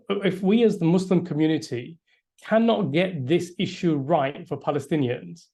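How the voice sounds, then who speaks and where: Middle-aged yorkshire guy, lawyer, emphatic and earnest, kinda high but mellow voice. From Yorkshire, England. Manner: emphatic, repeats words when restarting. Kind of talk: earnest public address.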